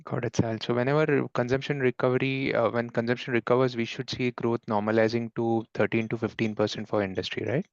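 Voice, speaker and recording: A man's voice: medium pitch, flat delivery, fairly quick, hardly any pauses. A man asking a question as an analyst on an earnings call. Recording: dull lo-fi call line.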